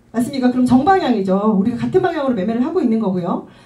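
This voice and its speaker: The voice makes very wide pitch swings. Audible room echo and noticeable background noise fill the recording. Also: woman. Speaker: trading instructor. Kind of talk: lecture. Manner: fast.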